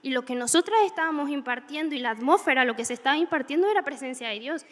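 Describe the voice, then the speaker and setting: A woman preaching a sermon, telling stories in an animated way with laughter. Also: high-pitched, fast, big-room sound. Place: church hall.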